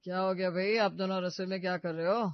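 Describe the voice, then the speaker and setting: A woman's voice: on the low side, quick pace, no echo, dull audio, lightly acted. A woman doing an easygoing young husband. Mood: soothing. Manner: relaxed, soothing.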